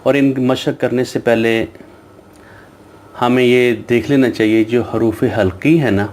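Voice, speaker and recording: A man teaching Quran reading to children, slowly spelling out each letter and syllable and patiently repeating them. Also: medium pitch, fairly even intonation, darkish tone, a little hiss or hum. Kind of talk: slow spelling-out lesson.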